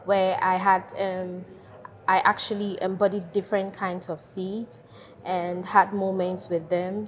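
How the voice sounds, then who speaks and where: A young woman from Ghana, a university student, describing her art project earnestly and restarting phrases as she thinks. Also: mid-range voice. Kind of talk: reflective interview talk.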